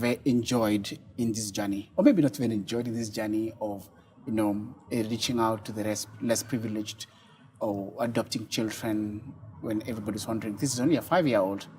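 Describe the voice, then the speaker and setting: A man from Kenya, hosting a TV interview and asking questions with shifting loudness. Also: lowish voice, fairly even intonation, moderate pace. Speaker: TV show host.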